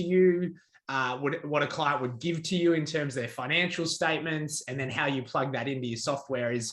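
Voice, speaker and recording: Here a man speaks with an Australian accent at a moderate pace. His pitch is fairly high, with ordinary pitch variation. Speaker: podcast host. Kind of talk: podcast interview. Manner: halting, with many fillers.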